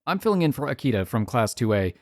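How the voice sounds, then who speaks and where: A woman's voice: extremely low pitch, big pitch swings, fast talker, no room sound, clean studio sound. A woman reading visual novel text aloud as a let's player, slipping in casual, wry, joking asides.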